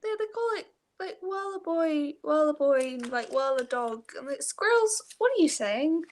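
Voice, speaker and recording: A woman's voice: high voice, animated, normal speed, crowd noise. A young woman talking casually as she discusses a book with a friend. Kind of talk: casual chat about a book.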